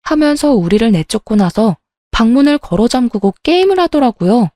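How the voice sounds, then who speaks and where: A woman's voice: on the high side, very animated, brisk, warm tone, dry recording, clean studio sound. A woman reading a first-person family story in a confiding, emotional way.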